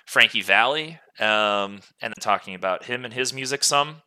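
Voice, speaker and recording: A man's voice: mid-range voice, moderate pace, sharp tone, smooth. A young man hosting a podcast in casual chat, rambling along and often interrupting himself, recorded on a close mic. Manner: rambling, frequently self-interrupting. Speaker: podcast host.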